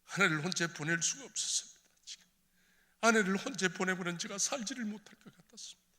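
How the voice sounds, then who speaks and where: A man giving an impassioned, tearful testimony as a church elder, swinging between hushed and crying out. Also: high-pitched, expressive, fast talker. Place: church sanctuary. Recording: reverberant church hall.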